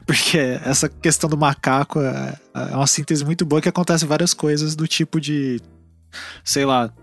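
A man's voice: fairly high pitch, fairly even intonation, moderate pace, vocal fry, faint music behind. A man in casual conversation, easygoing and hesitant as he puts his thoughts together. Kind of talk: casual podcast chat.

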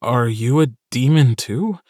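A gentle young scholar talks in a light, friendly way, a little nervous around strangers, as a man plays him. His lines come slow and lively in pitch, in a dry close recording. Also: dry recording. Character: gentle young male human scholar, flustered.

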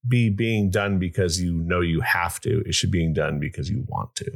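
A man's voice: low voice, fairly even intonation, moderate pace, vocal fry. A man hosting a podcast in casual chat, rambling with many restarts and fillers. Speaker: podcast host.

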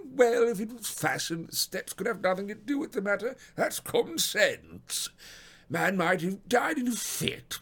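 A stout, pompous police detective in a storybook reading. The voice is husky and wheezy, drawling each phrase slowly and swooping widely in pitch. He blusters with great self-satisfaction. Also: a bit bright, heavily acted. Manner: pompous, drawn-out emphatic delivery. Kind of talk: audiobook character acting.

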